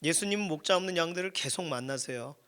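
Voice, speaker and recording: A man's voice: on the high side, lively intonation, fast, pushed and bright, clean tone. A middle-aged male pastor giving a conversational sermon at a church prayer meeting, asking his listeners questions and acting out the voices he quotes. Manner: conversational, asks the congregation questions.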